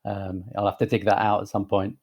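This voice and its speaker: A man in his forties with a softened northern English accent, a guest talking casually in a podcast interview, relaxed and hesitant, with many fillers and restarts. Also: on the low side, fairly quick. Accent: Northern English, softened by southern England. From northern England. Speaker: guest, creative director.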